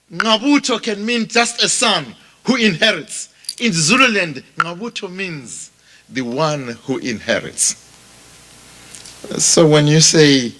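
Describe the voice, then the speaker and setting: A man with a Zimbabwean accent preaching a sermon as a pastor, speaking deliberately and repeating phrases for emphasis as he addresses his listeners directly. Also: high voice, pushed and bright. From Bulawayo, Zimbabwe. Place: funeral service before a congregation.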